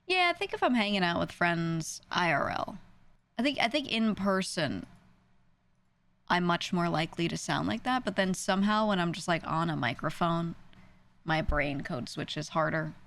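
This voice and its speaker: A woman's voice: fairly low pitch, animated, moderate pace, a bit bright. A young woman with a New York accent, chatting casually on a stream, rambling and self-deprecating with frequent laughs. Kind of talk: casual stream chat answering viewers.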